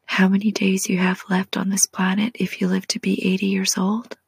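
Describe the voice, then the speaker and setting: A woman in her forties giving a whispered Christian devotional and guided relaxation, soft and prayerful, speaking directly to the listener in a breathy whisper. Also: medium pitch, completely flat delivery, moderate pace, no echo. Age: 40s.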